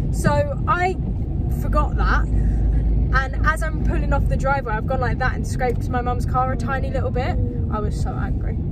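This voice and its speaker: Loud background noise surrounds a woman's voice, which itself sounds dry with no echo. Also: moderate pace. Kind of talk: casual vlog chat. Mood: playful, joking. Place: car. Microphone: phone near.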